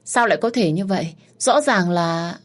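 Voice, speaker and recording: A woman's voice: on the low side, expressive, normal speed, natural voice. A woman voicing a scheming young mistress who insists indignantly she was robbed.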